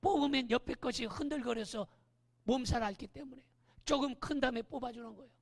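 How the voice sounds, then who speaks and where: A male pastor preaching a lively sermon in a church, often raising his voice and prodding the congregation with quick questions. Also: very high-pitched, gravelly. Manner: animated, often shouting, keeps asking the congregation "eh?". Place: church sanctuary. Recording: long church-hall reverb.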